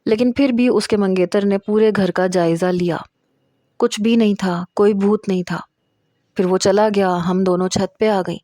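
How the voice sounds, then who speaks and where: A woman's voice: medium pitch, fairly even intonation, mellow, no echo, clean studio sound. A woman narrating a suspenseful first-person story in a tense telling.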